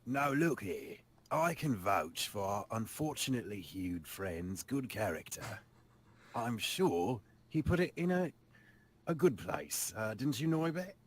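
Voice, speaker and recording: A man's voice: on the low side, big pitch swings, measured pace, husky, full character voice. Man playing a genteel, swooping, courteous adventurer. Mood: genial, diplomatic. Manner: courteous, wordy, diplomatic. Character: polite, genteel male adventurer smoothing over quarrels.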